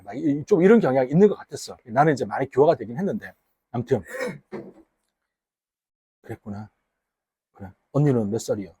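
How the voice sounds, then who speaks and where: A man from the Gyeongsang region teaching high school English in a classroom, chatty and teasing, bantering with his students. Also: mellow, breathy edge, dry recording. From Gyeongsang region, Korea. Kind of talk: casual classroom lecture. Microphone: wearable mic.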